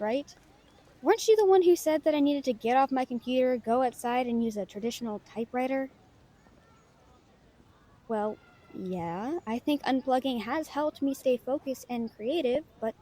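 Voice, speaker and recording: A woman's voice: sits high, warm tone. A woman playing a playful, self-doubting young novelist, chatty and teasing, in an intimate audio roleplay addressed to a friend. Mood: musing, casual.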